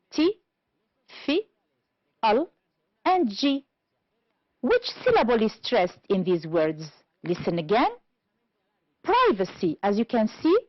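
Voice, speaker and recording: Slow, lively-voiced woman teaching English. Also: medium pitch, no echo. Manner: slow, deliberate explaining with rising checks. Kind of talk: televised classroom lesson. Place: TV studio. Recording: dull, lo-fi dry studio sound.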